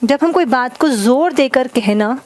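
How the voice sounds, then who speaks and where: A woman teaching English grammar in a classroom lesson, explaining slowly, mixing Hindi and English, and often checking whether students follow. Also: high voice, expressive, darkish tone, no echo.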